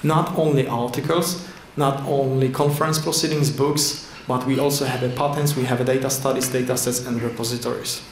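A male conference presenter gives a talk with slides in a large indoor hall, speaking into a lectern microphone at a podium. His mid-pitched voice has fairly even intonation, and his non-native English is halting, full of fillers and restarts, while the hall sounds echoey with faint room noise.

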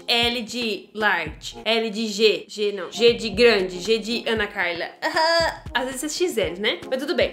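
Chatty high-pitched woman vlogger from Brazil, casual home chat. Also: fairly bright tone. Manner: chatty, keeps asking the viewers "right?". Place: home in Italy, indoors.

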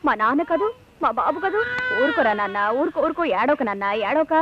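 A woman's voice: high voice, lively intonation, fast, noisy background. A woman playing an outspoken young teacher in dubbed film dialogue, blunt and lecturing with adults and coaxing with a crying baby. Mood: soothing. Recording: dull lo-fi film soundtrack with music.

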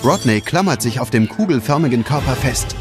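Male narrator, medium pitch, expressive intonation, children's story narration, prominent music underneath. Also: a little fast. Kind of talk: scripted storytelling for a children's audio drama. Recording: loud music behind the voice.

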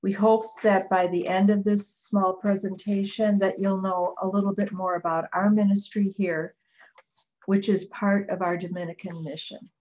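An older Catholic sister from Chicago reading prepared remarks in a calm, measured way on a video call from a small office. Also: female voice, medium pitch, muffled recording. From Chicago, Illinois. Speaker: Catholic sister, literacy center founder. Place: small home office with bookshelves. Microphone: webcam on a video call.

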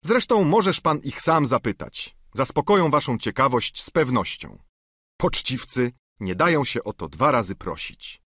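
A man's voice: medium pitch, big pitch swings, normal speed, pushed and bright, husky, no room sound, studio quality, voice pushed up, heavily acted. A man voicing a curt, dismissive mounted guard in an audiobook. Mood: brusque. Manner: brusque. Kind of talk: audiobook character reading.

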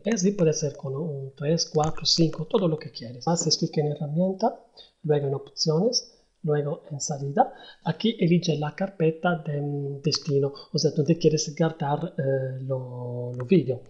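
A man giving a hesitant step-by-step software tutorial, with many pauses and fillers. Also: fairly high pitch. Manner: hesitant, many ums and ers. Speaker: tutorial host. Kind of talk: screen-recorded software tutorial. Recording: dull lo-fi voice-over.

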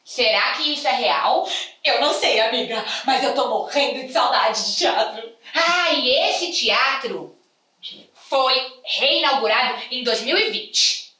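A wide-eyed brazilian clown, emphatic, bright voice, echoey and off mic. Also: female voice, high voice, animated, a little slow, heavily acted. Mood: wistful. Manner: theatrical, emphatic. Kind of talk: comedic clown presentation. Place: covered theatre entrance. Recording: echoey, distant mic, faint noise.

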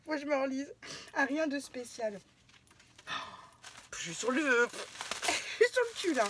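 A middle-aged woman scrapbooking vlogger unboxes a craft swap for her viewers, chatting casually in a high, sing-song, fairly bright voice at a slightly slow pace. She gushes with effusive exclamations, often laughing through tears, with slight background noise.

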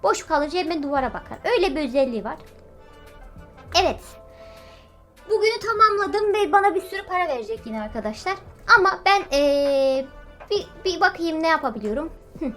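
Gaming YouTuber, woman, high and bright, playful running commentary. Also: animated, brisk, faint music behind. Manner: playful, chatty, jokes at other players. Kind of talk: casual gameplay commentary.

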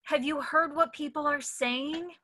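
A frank, worried young friend in a stage drama, acted by a woman. Her voice is slightly high and bright, with slow delivery. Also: fairly even intonation. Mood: worried, insistent. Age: young adult. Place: room at home. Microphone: computer mic on video call.

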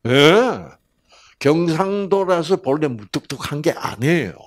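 A man's voice: on the high side, sing-song, measured pace. A middle-aged man from the region, giving a folksy health lecture with many hesitant fillers and homely humor. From Gyeongsang region, South Korea.

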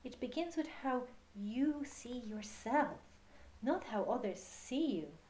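A woman voicing a wise, tender mother in a children's storybook, gentle, comforting and reassuring. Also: on the high side, very animated, takes it slowly.

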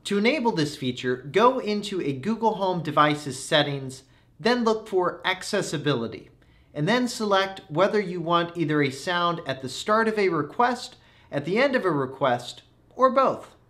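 A young man in his twenties narrating a scripted tech review with a clear, instructional delivery. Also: high voice, very animated, moderate pace, fairly bright tone. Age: 20s. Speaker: tech reviewer, video host.

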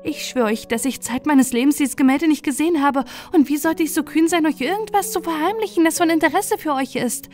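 A woman voicing an eager young lady's maid in a fairy-tale audiobook, speaking in a raised, animated voice. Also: high voice, a little fast, hardly any pauses, faint music behind, voice pushed up, close to an everyday voice. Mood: protesting.

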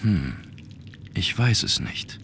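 A man playing a determined young aristocrat in an adventure game, speaking in a measured, formal way. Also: fairly low pitch, lively intonation, a bit bright, a little hiss or hum. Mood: pensive, matter-of-fact. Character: determined young aristocratic man investigating his grandfather's death. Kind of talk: scripted adventure game dialogue.

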